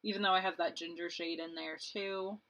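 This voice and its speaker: A woman's voice: lowish voice, steady tone, moderate pace, a bit bright, poor audio. A woman in her late twenties, a beauty vlogger chatting casually and rambling while she does her makeup, laughing often. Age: 20s.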